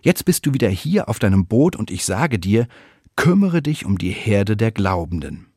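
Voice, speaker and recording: A man voicing a calm, patient teacher who asks gently and speaks slowly. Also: lowish voice, slightly rough, no room sound, clean studio sound, exaggerated voice. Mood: earnest.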